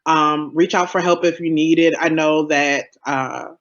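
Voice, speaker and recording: A man giving casual, encouraging advice as a creator on a panel, in a halting way. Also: a little high, steady tone, fairly bright tone, muffled recording. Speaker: audio drama creator on a panel.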